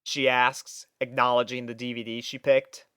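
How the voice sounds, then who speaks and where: A man narrating a first-person story from a script in an expressive storytelling manner. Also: mid-range voice, moderate pace, clean tone, no room sound, studio quality.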